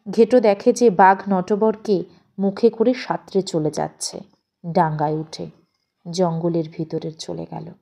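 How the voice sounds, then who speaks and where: A woman narrates a literary story with a soft, mellow tone. Her pitch sits in an ordinary middle range for a woman. She reads in a measured, expressive way, shaping the phrases for drama. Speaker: audio story narrator and presenter.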